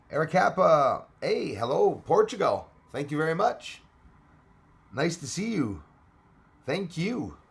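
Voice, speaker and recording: A middle-aged man from Quebec hosts a relaxed live stream, greeting viewers and reading their comments aloud. He speaks with a Québécois French accent in a voice of ordinary male pitch, and laughs easily between remarks. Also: breathy edge. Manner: chatty, laughs often, switches between English and French.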